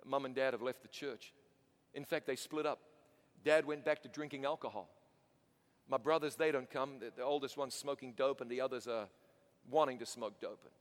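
A man's voice: mid-range voice, moderate pace, pitched below the performer's own voice, natural voice. A man quoting an earnest young mother. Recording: long hall reverb.

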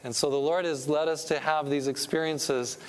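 This time the pastor's voice sits a little high, still fairly even in intonation and moderate in pace, over slight background noise and poor audio. The middle-aged Californian missionary speaker preaches earnestly to a church audience, lifting his voice with emphasis on the main points.

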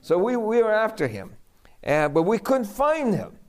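A man from Puerto Rico preaching a sermon, telling a lively personal story and acting out the dialogue. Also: sits high, moderate pace.

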